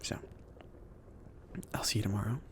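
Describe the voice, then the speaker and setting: A man playing a chill, considerate mage in an ASMR fantasy roleplay, speaking softly in a casual, hesitant, reassuring way. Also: moderate pace, a little hiss or hum, close to an everyday voice. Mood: gentle, reassuring. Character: chill, considerate mage sending an apprentice on errands.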